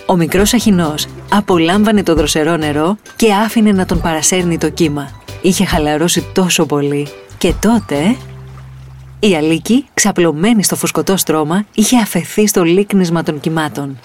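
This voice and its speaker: A woman reading a children's picture book aloud in an expressive, lilting storytelling voice. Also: on the low side, soft background music.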